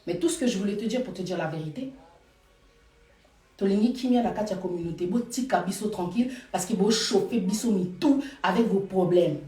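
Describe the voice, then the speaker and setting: A woman's voice: mid-range voice, fairly quick, warm tone, recorded from a distance. Emphatic Paris woman live-streaming, roomy sound. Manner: emphatic, repeats lines for force. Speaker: live streamer addressing followers. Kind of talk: casual live chat, mixing French and Lingala.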